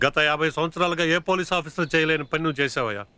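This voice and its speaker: An actor playing a commanding senior government official in a film drama, speaking with insistent authority. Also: male voice, fairly high pitch, quick pace, pushed and bright, faint music behind. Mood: approving. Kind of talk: Telugu film drama acting.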